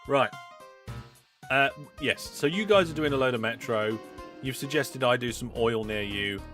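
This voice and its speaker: A man's voice: medium pitch, moderate pace, fairly bright tone. A man hosting a live game stream, chatting through his play, reading out viewer messages and reacting with mock alarm. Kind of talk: live gameplay commentary. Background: background music.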